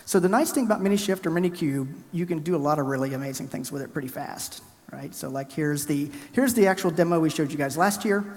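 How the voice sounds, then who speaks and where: A man from the American South giving a fast, energetic tech conference talk and narrating a live coding demo. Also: a little high. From Alabama, US South. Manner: fast, energetic, chatty presenter narrating his screen. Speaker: conference speaker. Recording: hall reverb from a conference room.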